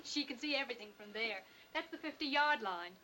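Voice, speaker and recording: An actress playing a brisk, businesslike woman organizing a parade in a 1940s film. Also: a little high, animated, bright, forceful tone, slight background noise, low-quality recording. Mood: friendly. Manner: brisk, crisp, commanding.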